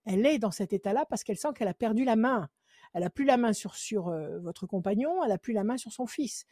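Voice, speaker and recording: A woman's voice: mid-range voice, expressive, fast, dark tone, slightly rough, no room sound, clean studio sound. A woman working as a psychic on a call-in show. She gives firm advice again and again and counts cards under her breath. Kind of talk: phone consultation with card reading.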